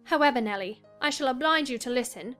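A woman playing a willful, troubled young gentlewoman in a dramatized audiobook, earnest and dramatic. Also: high-pitched, lively intonation, fast talker. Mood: wistful, insistent. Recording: music under the voice.

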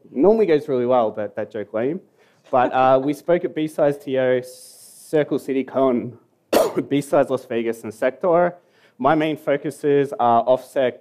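This young Australian security conference speaker jokes around in a relaxed hall talk and mumbles now and then. His voice is medium in pitch and a little mellow.

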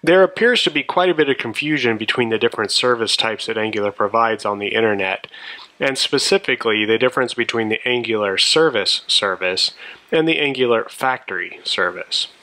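Male programming instructor, mid-pitched and bright, methodical screencast narration. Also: lively intonation, fairly quick. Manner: methodical, explanatory. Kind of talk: tutorial narration over a screencast.

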